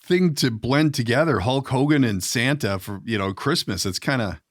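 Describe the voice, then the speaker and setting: A man's voice: medium pitch, normal speed. A man interviewing a guest as podcast host, in a loose, informal and colloquial way. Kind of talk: casual conversational interview.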